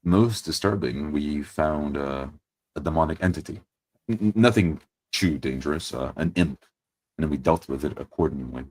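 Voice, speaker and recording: Man playing a very deep, formal adventurer. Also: darkish tone. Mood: solemn, reporting. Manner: formal, deliberate, halting. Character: formal, solemn adventurer of noble manners reporting to a baroness.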